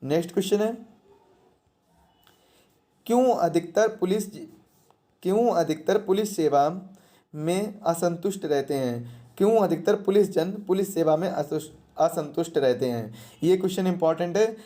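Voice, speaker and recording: An exam coach with a mellow, relaxed tone teaches through questions and answers. The delivery is didactic, restating each point and asking rhetorical questions before answering them. The pitch sits in a middle register. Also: a little slow, long pauses.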